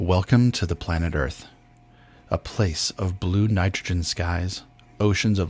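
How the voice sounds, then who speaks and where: Over music in the background, a man does a put-on character voice, very deep and resonant. He is soft-spoken and goes at a fairly slow pace. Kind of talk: voiceover narration. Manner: soft, nurturing.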